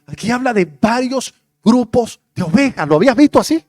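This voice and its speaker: High-voiced impassioned male preacher. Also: expressive, a little fast, no room sound, studio quality. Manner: impassioned preaching, swinging from loud declarations to hushed prayerful asides. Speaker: pastor. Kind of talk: sermon.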